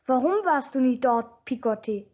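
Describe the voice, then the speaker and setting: Woman playing a high-voiced curious little boy. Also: normal speed, darkish tone, breathy edge. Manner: asks earnest, wondering questions. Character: little boy, about six, curious and eager. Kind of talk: radio drama acting.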